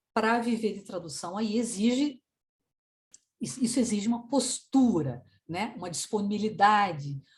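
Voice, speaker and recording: With long, frequent pauses and big swings in loudness, a woman speaks at a moderate pace in a fairly high pitch, her lively intonation touched by vocal fry. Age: 60s. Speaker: sworn translator. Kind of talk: interview.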